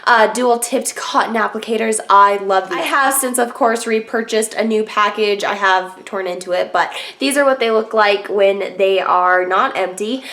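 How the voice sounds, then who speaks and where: A woman's voice: mid-range voice, moderate pace, hardly any pauses, a bit bright. A young woman with a stuffy, congested voice, chatting casually through a product review with lots of filler words. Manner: chatty, filler-heavy, frank opinions. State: congested from a cold. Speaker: beauty vlogger.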